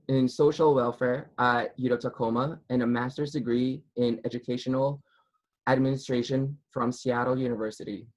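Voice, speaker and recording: A man's voice: medium pitch, a little mellow, poor audio. A man hosting a ceremony, formally thanking and introducing speakers with a few stumbles as he reads. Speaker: event host.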